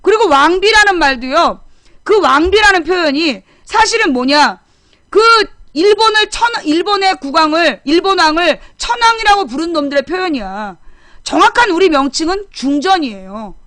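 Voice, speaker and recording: A woman's voice: very high voice, animated, normal speed, a bit bright, no room sound, studio quality. A middle-aged woman hosting a current affairs talk show, explaining history casually and bluntly, firing off rhetorical questions.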